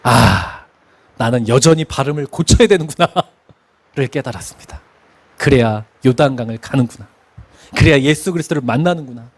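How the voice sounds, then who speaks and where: A middle-aged pastor from Korea's Chungcheong region delivers an expressive sermon in a medium-pitched voice at a moderate pace. He tells stories and laughs along the way, breaking into lines of hymns as he preaches.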